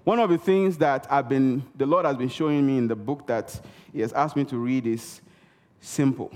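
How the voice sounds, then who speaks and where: A man's voice: mid-range voice, normal speed, darkish tone. A man preaching a sermon in a church, emphatic and repetitive, calling out for responses from the congregation. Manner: emphatic, repeats key words for effect; calls for audience response. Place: church hall. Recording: reverberant hall.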